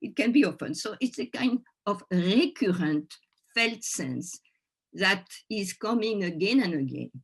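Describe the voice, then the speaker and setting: A native French speaker gives an informal workshop talk to a group in her second language, sometimes searching for words. Her mid-range voice is expressive, creaky and husky, and she takes her time.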